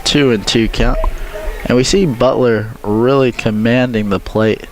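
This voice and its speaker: Male play-by-play announcer, measured delivery, light crowd hum. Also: medium pitch, fairly even intonation. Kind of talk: sports commentary.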